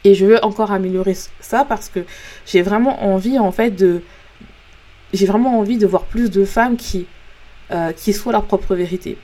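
A woman's voice: mid-range voice, moderate pace, mellow. A French woman, a coach and podcast host, talking frankly in a casual motivational monologue with many fillers and restarts.

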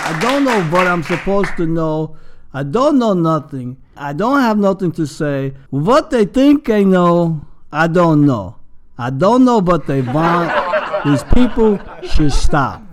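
A man doing a fretful old Jewish man. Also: fairly high pitch. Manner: kvetching, rambling, sermon-like. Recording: noisy, with crowd chatter behind.

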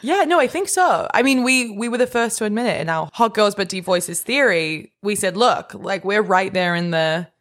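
A young adult woman co-hosting a podcast in casual, playful chat, wry and quick to laugh. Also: mid-range voice, expressive, a bit bright. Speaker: podcast co-host.

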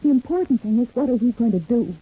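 An anxious, gentle young woman in an old radio serial. She speaks earnestly and pleadingly in a slightly high, husky voice, on a narrow phone-like recording. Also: animated, fast talker. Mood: troubled. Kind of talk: vintage radio soap opera acting.

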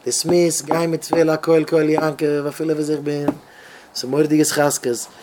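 A rabbi giving a Yiddish sermon with a Hasidic Yiddish accent. He tells stories in an excitable, animated way, stumbling over many restarts. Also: on the high side, a little slow, a little hiss or hum.

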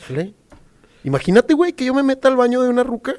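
A man's voice: very high-pitched, big pitch swings, fast, darkish tone. A young man telling a story in casual chat, slangy, laughing often and swearing freely.

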